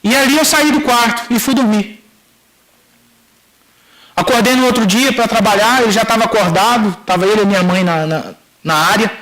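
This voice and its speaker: A middle-aged Brazilian pastor with a notably high-pitched voice delivers a sermon testimony. He acts out the dialogue in the story and speaks straight to the listeners, calling them brothers. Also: normal speed, a bit bright, low-quality recording. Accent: Brazilian Portuguese.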